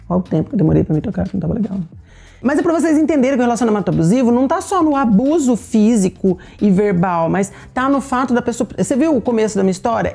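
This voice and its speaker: Gravelly middle-aged woman with a Brazilian accent. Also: medium pitch, mellow. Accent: Brazilian Portuguese. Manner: candid, speaks straight to the audience; acts out remembered dialogue as she tells it. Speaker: storyteller sharing a personal testimony. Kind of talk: personal testimony, told to viewers.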